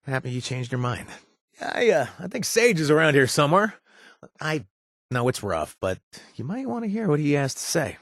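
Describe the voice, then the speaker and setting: Easygoing game bartender, chatty, chuckling, lively pitch, dry studio sound. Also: male voice, breathy edge, no room sound, heavily acted. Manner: laid-back, chatty, lots of uh and chuckles. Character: easygoing male bartender ally, joking and money-minded. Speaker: game companion character. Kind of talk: video game voice acting. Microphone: close studio mic, dry.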